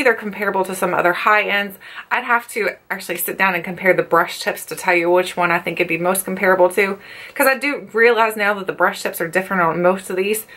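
A woman's voice: medium pitch, pushed and bright. A woman in her thirties giving a casual, chatty and candid product review to camera, recorded indoors in a bedroom. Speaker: beauty vlogger.

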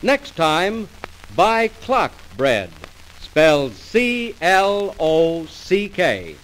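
A male radio announcer in vintage serial style, with a slightly high, very animated delivery. He reads from a script, over the faint noise of an old broadcast recording. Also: extremely slow, rough recording. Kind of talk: 1940s radio announcing, ad and story recap.

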